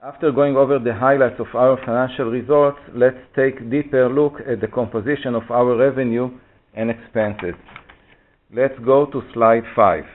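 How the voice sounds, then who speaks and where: A man's voice: mid-range voice, fairly even intonation, normal speed. A man giving a formal, orderly scripted presentation of financial figures on a conference call. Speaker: finance executive presenting results. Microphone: conference call phone line. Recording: tinny, narrow phone line.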